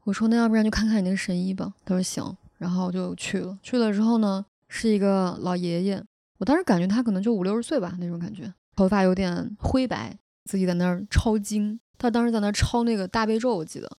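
A young woman from Shaanxi telling a personal story in a casual podcast chat, animated and often laughing. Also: medium pitch, fast, no room sound, studio quality. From Shaanxi, China. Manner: animated, laughs often, frequent tag questions. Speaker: podcast host.

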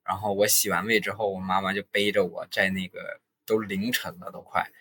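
Young man, husky, bright tone, casual podcast storytelling. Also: low-pitched. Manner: halting, many restarts, lively retelling. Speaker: podcast host.

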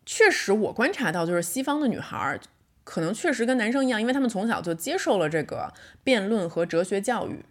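A woman in her thirties hosting a casual solo podcast. She tells a story in a reflective way and slows down to stress her points. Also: mid-range voice, expressive. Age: 30s. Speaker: podcast host.

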